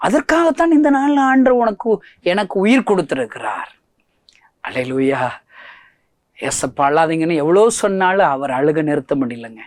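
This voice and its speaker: A man preaching a testimony sermon, swinging from soft to loud and pleading as he asks his listeners direct questions. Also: high voice, dry recording, clean studio sound. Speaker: preacher and ministry founder.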